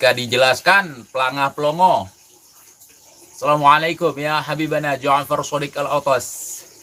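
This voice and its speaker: A man with an Aceh accent talks at a moderate pace with ordinary pitch variation. Noticeable background noise can be heard. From Aceh, Indonesia. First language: Acehnese (speaking Indonesian). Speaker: content creator. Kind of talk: warning message. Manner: casual.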